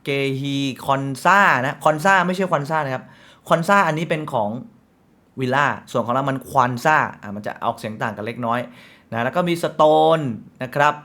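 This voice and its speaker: A man's voice: mid-range voice, a bit bright. A man hosting a casual football news show, chatty and reading sponsor plugs between the news. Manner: chatty, reads sponsor ads quickly, frequent polite fillers.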